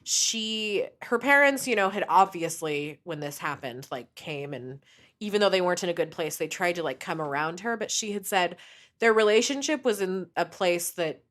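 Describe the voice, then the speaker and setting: Young female co-host, casual swearing storyteller, lively pitch. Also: normal speed. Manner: animated storytelling, frequent swearing. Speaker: podcast co-host. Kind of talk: casual true crime podcast chat.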